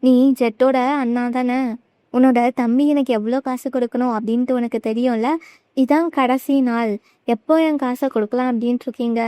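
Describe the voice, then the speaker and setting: A woman's voice: a little high, fairly even intonation, normal speed, dark tone, dry recording, natural voice. A woman voicing a cruel male loan shark who mocks and threatens in a retold drama. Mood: mocking threat. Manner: mocking, threatening.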